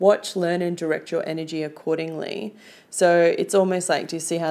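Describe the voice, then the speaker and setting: A woman with a strong Australian accent, a very deep, low pitch and a dark, mellow tone, at a moderate pace. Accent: broad Australian. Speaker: tarot reader. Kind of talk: tarot reading.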